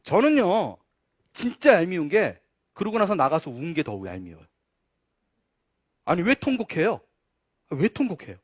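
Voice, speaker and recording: Male pastor preaching, lively swings in pitch, dry close sound, rhetorical questions. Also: normal speed, pauses often, no echo. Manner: animated, rhetorical questions, dramatic shifts. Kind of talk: sermon. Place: church.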